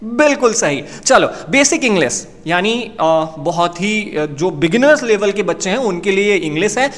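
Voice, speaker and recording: A man's voice: high voice, lively intonation, normal speed, a bit bright. Chatty male teacher in an echoing room. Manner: chatty, asks the listener rhetorical questions. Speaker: English teacher. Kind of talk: classroom-style lesson for beginners. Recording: long reverb, echoey room.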